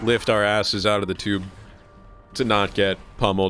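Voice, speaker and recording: Fairly low male speech set against background music. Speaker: gaming commentator. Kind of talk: casual gameplay commentary.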